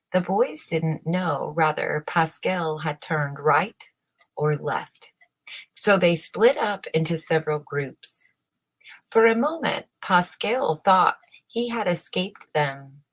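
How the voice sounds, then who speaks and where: Slow, low-voiced woman reading a story. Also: fairly bright tone. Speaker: storybook reader. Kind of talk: expressive read-aloud children's bedtime story.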